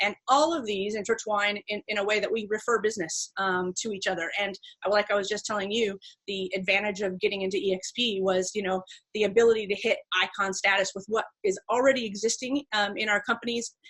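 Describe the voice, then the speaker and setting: A woman's fairly quick delivery with fairly even intonation. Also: medium pitch for a woman. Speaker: real estate entrepreneur. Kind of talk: interview. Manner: fast.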